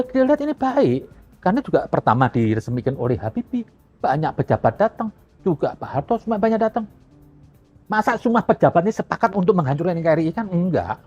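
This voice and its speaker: A man's voice: high-pitched, a little mellow. A man giving a blunt, mocking opinion monologue on a religious controversy. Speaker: religious commentator. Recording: lo-fi with faint music.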